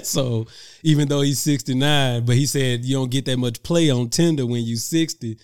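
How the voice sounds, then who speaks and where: A man with a medium-pitched voice co-hosts a casual podcast. He talks in loose, slangy banter and sounds amused. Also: steady tone, moderate pace, a little mellow, clean tone. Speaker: podcast co-host.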